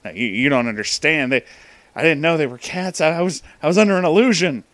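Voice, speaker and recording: A man playing a stammering, awkward young anime fanboy in a comic internet story. His voice runs fairly high and sounds close and dry. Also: animated, fast, fairly bright tone, no room sound. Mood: flustered. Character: awkward young male anime nerd, flustered weeaboo.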